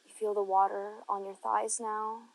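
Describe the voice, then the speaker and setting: A woman narrating a guided meditation, giving gentle, unhurried instructions with long pauses between phrases. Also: medium pitch, flat delivery, gravelly, no echo, rough recording.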